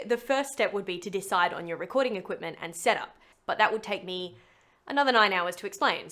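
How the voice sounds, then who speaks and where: A woman with a mid-pitched voice presents a scripted tutorial as a voiceover actor. She talks straight to the listener in a chatty, playful way, putting clear emphasis on her points. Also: a bit bright. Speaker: voiceover actor and video host.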